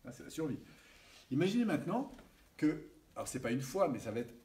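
A man giving a seminar lecture, animated and checking in with his audience often. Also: on the high side, brisk. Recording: distant mic with faint hiss.

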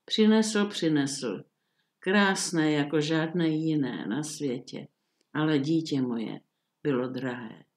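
A woman's voice: low-pitched, fairly even intonation, darkish tone, roomy sound, natural voice. A woman reading the lines of a sorrowful merchant father in a fairy tale. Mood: grieving. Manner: sorrowful, tearful.

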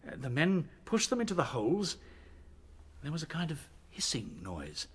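Shaken rabbit captain, halting. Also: male voice, fairly high pitch, huge pitch swings, slightly rough, exaggerated voice. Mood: troubled. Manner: halting, searching for words. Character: battle-worn male rabbit captain, shaken, recounting horrors. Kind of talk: radio drama dialogue.

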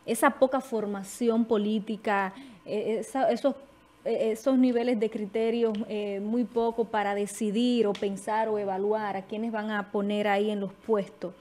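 A woman's voice: mid-range voice, fairly even intonation, normal speed, warm tone. A woman, hosting a TV panel and putting questions in searching, hesitant phrasing at a studio desk microphone. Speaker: TV host. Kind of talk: TV panel discussion.

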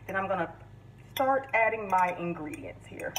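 A woman's voice: medium pitch, expressive, moderate pace, heavy background noise. Chatty woman cooking in her kitchen. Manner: chatty, addresses viewers as guys. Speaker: cooking channel host. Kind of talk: casual cook-along chat. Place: home kitchen, indoors. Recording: distant voice with loud clattering dishes.

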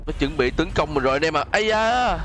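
A man's voice: a little high, animated, fast, a bit bright. Southern Vietnamese man doing game commentary. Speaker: gaming video host. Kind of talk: casual gameplay commentary addressed to viewers.

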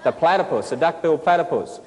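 A man in his thirties with an Australian accent, giving a playful, animated lecture to a live audience and quizzing them with questions. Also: on the high side, fast, in a large hall, a little hiss or hum. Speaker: speaker addressing a children's audience. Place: large auditorium stage with potted plants.

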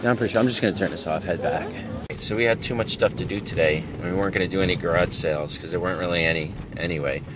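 A chatty man with a lowish voice narrates his rummaging through sales and his drives between them. He jokes easily and talks straight to his phone. The recording is full of outdoor noise. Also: rapid-fire. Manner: chatty, joking, self-narrating. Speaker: reseller vlogger. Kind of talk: casual chat. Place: outdoors at a flea market and in a car.

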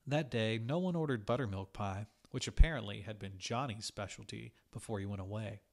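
A man reads fiction aloud as an audiobook narrator. His voice sits fairly low, and he delivers scripted narration. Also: a little fast, creaky, a little mellow. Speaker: audiobook reader. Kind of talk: scripted short story narration.

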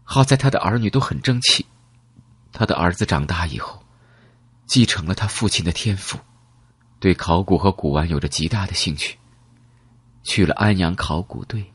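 A man with a very low, husky voice reads a mystery novel in an emotive, first-person storytelling way. The recording sounds close, dry and intimate. His tone rises and falls with the drama of the tale. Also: animated, normal speed, pauses often, dry recording. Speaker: audiobook narrator. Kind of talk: dramatic audiobook narration.

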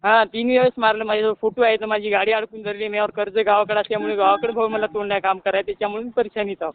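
A man's voice: high voice, level tone, racing. A man from Maharashtra calling for help, pleading and rambling, repeating himself often. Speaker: caller asking for help. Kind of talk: distressed phone call. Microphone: phone call. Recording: tinny phone line.

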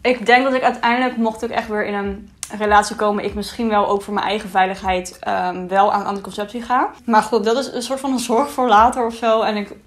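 A woman's voice: mid-range voice, fairly even intonation, a little fast, few pauses. A woman in her twenties chatting casually in a vlog as she eats, at times talking with her mouth full. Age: 20s. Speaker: vlogger. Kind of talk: casual girl talk mukbang vlog. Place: small bright room indoors, seated at a table.

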